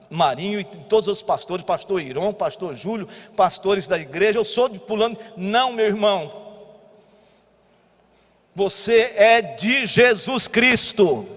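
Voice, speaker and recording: High-voiced Brazilian pastor, reverberant church. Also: male voice. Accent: Brazilian Portuguese. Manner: preaching with swells to loud exhortation. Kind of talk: sermon. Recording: long church hall reverb.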